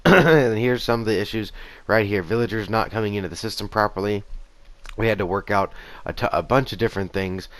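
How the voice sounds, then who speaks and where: Raspy-voiced man giving gameplay commentary. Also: on the low side, dry recording. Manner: easygoing, rambling with fillers and restarts. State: raspy voice after a concert. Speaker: gaming channel host. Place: small home room at a desk. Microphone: gaming headset.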